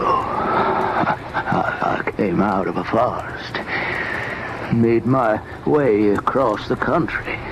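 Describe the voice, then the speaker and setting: A tormented older man in an old radio horror play. His voice is gravelly and creaky, his words halting and repeated. The recording is dull and heavily covered in noise. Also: fairly low pitch, heavily acted. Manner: halting, repetitive, dramatic.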